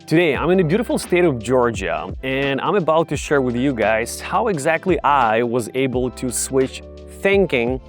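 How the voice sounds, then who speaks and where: A man's voice: mid-range voice, sing-song, moderate pace, soft background music. A man from Ukraine with a Ukrainian accent, casually teaching viewers to camera in an upbeat, direct way. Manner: upbeat, direct, addresses viewers as "you guys". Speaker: English tutor.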